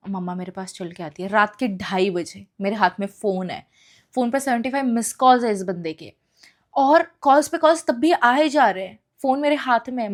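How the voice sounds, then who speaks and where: A young woman telling a personal story in a casual, emotional monologue, mixing English phrases into her speech. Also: on the high side. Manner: emotional, expressive retelling.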